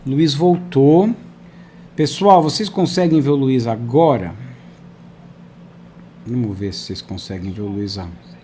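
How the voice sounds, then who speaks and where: A man's voice: mid-range voice, unhurried, long pauses, mellow, a little hiss or hum. A man hosting a live online interview over a video call, chatty and friendly, talking to viewers and his guest. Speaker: host.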